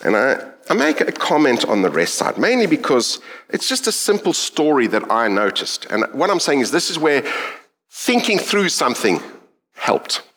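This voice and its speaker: A fairly high-pitched, slightly bright voice with huge pitch swings belongs to a middle-aged man from South Africa. He preaches a sermon in a South African accent, earnest and reflective, pausing to think.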